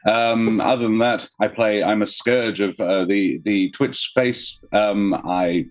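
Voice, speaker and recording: A man's voice: on the low side, steady tone, slow pace. A man with an Australian accent, narrating a tabletop game as its game master. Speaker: game master, podcast member.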